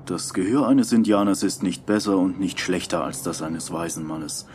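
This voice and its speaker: A man voicing a calm, wise Native American man, speaking quietly and measured in a storybook tale. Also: low voice, a little hiss or hum, close to an everyday voice.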